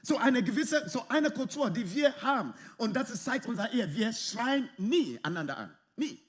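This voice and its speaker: A man preaching a sermon in lively, slightly non-native German with English phrases mixed in. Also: very high voice, normal speed. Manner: animated, lively, often acts out quoted arguments. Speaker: pastor.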